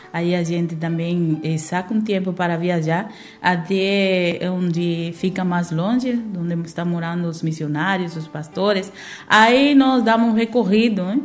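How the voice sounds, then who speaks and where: A woman, a Spanish speaker, talking haltingly as a missionary guest in an interview. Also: on the low side. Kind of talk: conversational interview.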